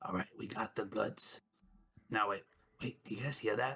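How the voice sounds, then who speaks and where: A man does a raspy, put-on character voice at a medium pitch. He moves at a moderate pace with ordinary pitch variation. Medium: actual play. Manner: cautious, jumpy.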